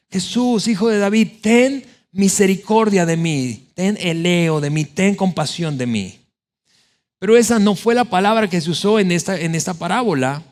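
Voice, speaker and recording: A man preaching a sermon as pastor, lively and emphatic, often acting out quoted prayers. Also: sits high. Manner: animated preaching, voices biblical quotes.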